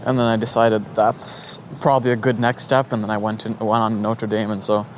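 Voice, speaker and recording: A young man from Nepal, a guest in a relaxed conversation, talking with a few fillers and restarts. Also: fairly low pitch, fairly quick, a little hiss or hum. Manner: relaxed, hesitant, many fillers. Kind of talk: casual conversation.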